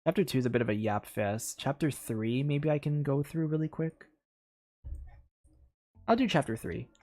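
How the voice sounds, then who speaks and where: A game streamer with an expressive delivery, reading a story aloud in storybook style and slipping into casual asides. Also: mid-range voice, normal speed. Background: music.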